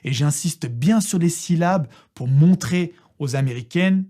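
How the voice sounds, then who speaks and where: A man's voice: fairly high pitch, unhurried. A young man from France telling a crude, slangy comic story about a trip, full of swearing and laughing asides. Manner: slangy, vulgar, animated, often laughing. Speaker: vlogger.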